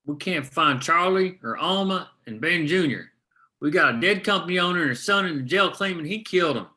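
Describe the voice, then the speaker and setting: A man playing a worried, protective ally of striking miners in a script read, urgent and forceful. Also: fairly high pitch, lively intonation, fairly quick. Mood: worried, frustrated. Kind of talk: screenplay table read.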